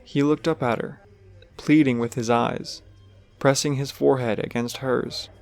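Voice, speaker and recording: A man's voice: medium pitch, steady tone, unhurried, vocal fry, a little mellow, soft background music. A man giving scripted third-person narration for an audio drama.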